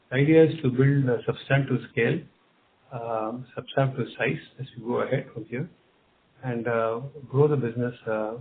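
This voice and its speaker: Indian guy exec answering investor questions, rephrases himself a lot, thin phone sound with noise behind. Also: medium pitch. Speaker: company executive answering investors. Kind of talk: unscripted conference call answers. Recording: narrow phone line, clear background noise.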